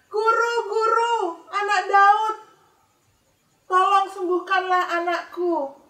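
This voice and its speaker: A woman's voice: high voice, slow pace. A woman voicing a desperate mother who cries out and begs for help, in a children's Bible story. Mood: pleading. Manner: crying out, begging. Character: desperate pleading mother, middle-aged woman. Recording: echoey room from a distance.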